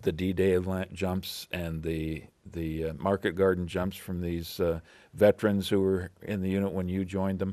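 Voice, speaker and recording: A man's very deep, low voice with a dark, mellow tone, fairly even intonation and a moderate pace, over a quiet background. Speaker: oral historian interviewer. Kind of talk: oral history interview. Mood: friendly, curious. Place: studio. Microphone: lapel.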